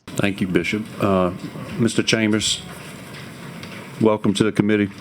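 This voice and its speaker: A man with a somewhat low voice runs a legislative committee hearing in a firm, procedural manner. Faint hearing room noise sits in the background. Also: flat delivery, moderate pace. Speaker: committee chairman. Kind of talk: chairing a hearing.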